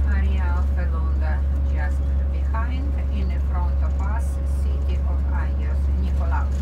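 The background noise is loud. Through it, a woman talks fairly slowly. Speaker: tour guide. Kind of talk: tour guide commentary. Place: bus. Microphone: pa.

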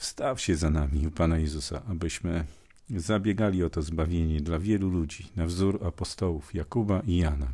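Heard in a very clean recording with a silent background, a man speaks at a moderate pace in a very deep, low pitch and dark, mellow tone with ordinary pitch variation. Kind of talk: sermon.

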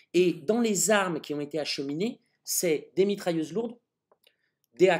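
Speaking in a Marseille accent, a man has a high voice with ordinary pitch variation. He goes at a fairly slow pace against a quiet background. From France, Marseille. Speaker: journalist. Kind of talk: interview. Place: home room. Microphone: webcam.

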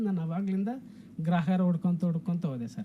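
The man's voice is high in pitch for a man, and its tone is dark and mellow. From Raichur district, north Karnataka. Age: 30s. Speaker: mango farmer. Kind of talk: radio interview.

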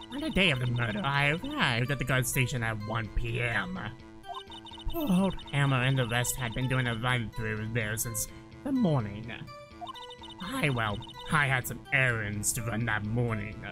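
Over clear music in the background, a put-on character voice at a low-to-middle pitch speaks with long, frequent pauses. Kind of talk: comic overacting. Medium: game stream. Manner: scolding, then coy and doting.

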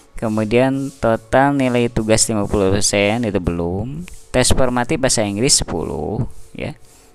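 With music in the background, a man of medium pitch speaks at a very slow pace with ordinary pitch variation and hardly any pauses. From Indonesia, West Java (Tasikmalaya). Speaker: vlogger and university student. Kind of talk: screen-recording tutorial. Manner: casual, hesitant with many fillers.

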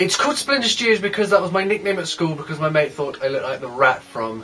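Over light background noise, a man with a British accent talks at a very fast pace in a high pitch with lively intonation. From England. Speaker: artist; artist channel host. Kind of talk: channel trailer. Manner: upbeat. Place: workshop.

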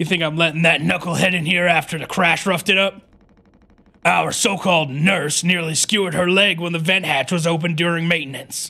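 A man's voice sits high in pitch, with ordinary pitch variation. He talks at a moderate pace. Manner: grumpy, crude, sarcastic.

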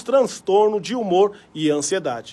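The man talks fairly slowly, his high voice moving with lively intonation. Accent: Brazilian. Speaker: news presenter. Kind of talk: news reading, scripted broadcast delivery. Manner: formal, even and measured; steady, neutral, fact-by-fact pace.

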